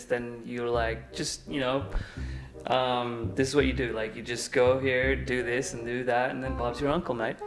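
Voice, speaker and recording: Moderate pace, audible room echo, and music in the background. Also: man. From Australia. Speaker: friend on a vlog. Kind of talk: casual chat.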